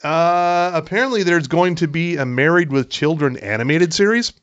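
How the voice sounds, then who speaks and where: A man's voice: a little high, normal speed, smooth, highs cut off. A man co-hosting a podcast in casual chat, running through upcoming releases with lots of fillers and easy swearing. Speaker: podcast co-host. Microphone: podcast microphone that keeps cutting out.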